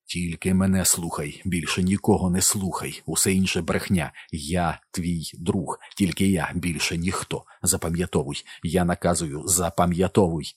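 A man's voice: deep voice, steady tone, normal speed, few pauses, darkish tone, slightly rough, no room sound. A man voicing a commanding young soldier who gives firm orders, in an audiobook.

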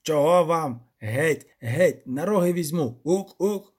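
A man's voice: on the high side, lively intonation, takes it slowly, breathy edge, exaggerated voice. A man voicing a furious goat-like male devil who bleats and shrieks as he talks. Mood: bleating. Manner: shrieking, bursts into goat noises.

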